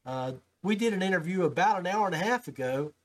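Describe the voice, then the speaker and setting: A man's voice: high-pitched, expressive, fast talker, a little hiss or hum, low-quality recording. A man hosting a fishing podcast, talking in a folksy way and often repeating his first words. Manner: folksy, repeats words when starting sentences. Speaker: podcast host. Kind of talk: casual podcast interview. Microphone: call audio with his own mic.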